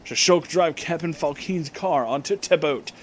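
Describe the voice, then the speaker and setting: A slightly high male voice, with slight background noise, performs a comedic reading of fan fiction. He deliberately reads out the misspellings as written and comments in asides.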